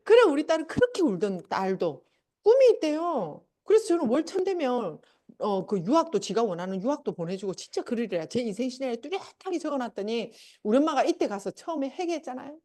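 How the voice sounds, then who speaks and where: Animated middle-aged woman speaker. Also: sits high, a little fast. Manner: animated storytelling, acting out family members. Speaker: seminar speaker. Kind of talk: motivational sales seminar talk.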